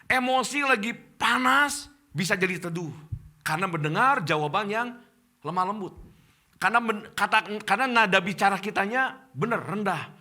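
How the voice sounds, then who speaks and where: Male pastor, Indonesian accent, middle-aged, sermon delivery, fairly high and very lively. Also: normal speed. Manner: addresses congregation as Bapak Ibu, animated preaching. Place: church.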